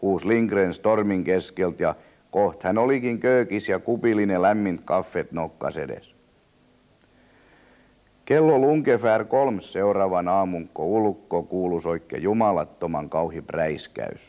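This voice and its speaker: A man speaks at a very slow pace and a fairly low pitch, with lively intonation. His tone is dark and mellow. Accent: Satakunta. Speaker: local dialect expert. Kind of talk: humorous column reading in dialect. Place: home room. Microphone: old recording.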